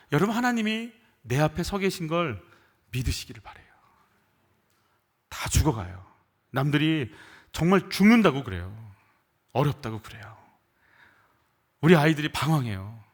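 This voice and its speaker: A man's voice: fairly high pitch, husky. A male senior pastor preaching a sermon in a conversational way, asking the congregation questions and rising into emphatic bursts. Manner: rising into emphatic bursts when voicing complaints.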